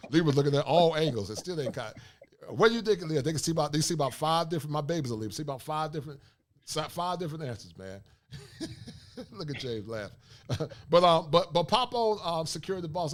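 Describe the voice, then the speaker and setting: A man in his forties hosting a podcast, talking casually and joking with his co-hosts, often laughing. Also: a little high. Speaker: podcast host.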